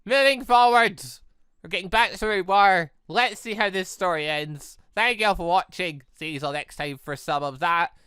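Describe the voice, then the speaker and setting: A man giving chatty, excitable, rambling commentary as he plays a visual novel. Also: high voice, moderate pace, clean tone, dry recording, studio quality. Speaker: gaming video host.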